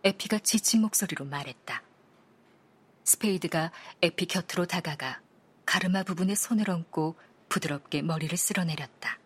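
A woman narrating an audiobook in a calm, even storytelling manner. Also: fairly low pitch, moderate pace, husky.

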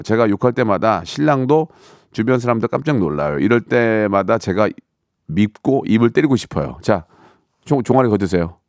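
At a medium pitch and a little mellow, a middle-aged man hosts a radio talk show from the studio, recorded on a studio mic with no echo. His banter is chatty, playful and repetitive; he reads out messages from listeners and breaks into mock voices and sung bits.

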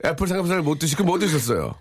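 A man's voice: fairly high pitch, expressive, racing. Teasing male radio host. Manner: teasing, mock-serious. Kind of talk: playful radio banter. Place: radio studio.

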